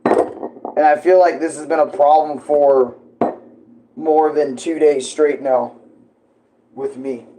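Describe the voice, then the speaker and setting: A man's voice: fairly high pitch, fairly even intonation, slow pace, pauses often, noisy background. Rambling young man with a froggy voice. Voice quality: froggy voice at times. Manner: rambling, casual, with slang and fillers. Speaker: vlogger. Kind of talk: casual rambling vlog. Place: at home, in a kitchen. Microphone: tablet propped up nearby.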